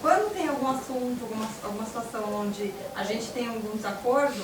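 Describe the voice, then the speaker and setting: A woman's voice: a little high, fast talker. A Brazilian woman telling a casual anecdote in a chatty way during a talk. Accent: Brazilian Portuguese. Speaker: audience member sharing an example. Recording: echoey room from far off, noisy.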